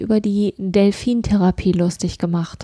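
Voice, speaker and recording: A woman's somewhat breathy, dark, mellow voice at medium pitch and moderate pace, dry and close with no echo. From Braunschweig, northern Germany. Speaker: podcast co-host. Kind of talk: casual chat.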